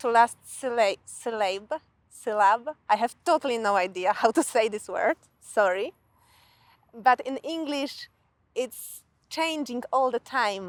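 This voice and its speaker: The speaker talks at a very slow pace with a strong Polish accent and ordinary pitch variation. The sound is dry and close, with no echo. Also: woman. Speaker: fencing instructor. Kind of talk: casual talk to camera.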